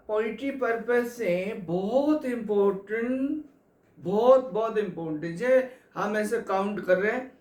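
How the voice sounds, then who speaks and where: A man teaching English literature for exams, explaining slowly and repeating key points to his students. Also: high-pitched. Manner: slow, repetitive explaining, addresses students as kids. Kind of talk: exam coaching lecture. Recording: echoey room.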